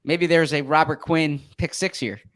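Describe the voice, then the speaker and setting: Man giving measured football analysis. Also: a little high, steady tone, fairly bright tone. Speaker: podcast co-host. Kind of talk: casual podcast banter.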